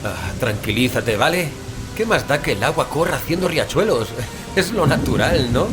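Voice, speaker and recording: A man's voice: mid-range voice, expressive, normal speed, close to an everyday voice. An actor from playing a sceptical, stubborn male paranormal investigator, casual, scoffing and impatient, in a horror audio drama. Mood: dismissive. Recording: loud music, rain and thunder behind. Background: music, rain, thunder.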